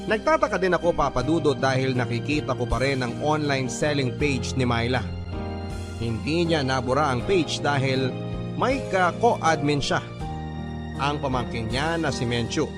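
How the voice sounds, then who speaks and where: A man's voice: mid-range voice, animated, moderate pace. A man reading a first-person love story as scripted narration in a radio drama style. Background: music under the voice.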